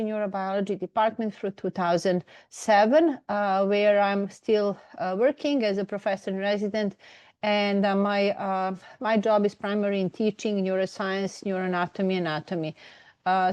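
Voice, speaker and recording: A middle-aged woman from Serbia with a Serbian accent, a professor giving a webinar presentation, pausing often with fillers and restarts. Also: medium pitch, darkish tone, smooth, dry recording. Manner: halting, many fillers and restarts.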